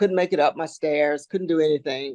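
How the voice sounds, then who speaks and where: In an American accent, a woman speaks with a dark, mellow tone, and the sound is dry and close with no echo. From Texas, Dallas. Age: 70s. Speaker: retired hairstylist, panelist. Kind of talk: testimony.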